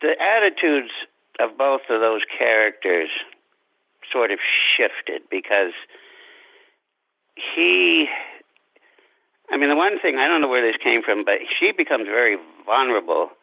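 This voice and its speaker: A man speaking as a guest author in an interview, reflective and halting, often restarting his sentences. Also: medium pitch, sing-song, gravelly, sharp tone. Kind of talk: interview conversation. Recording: dull lo-fi radio-like sound.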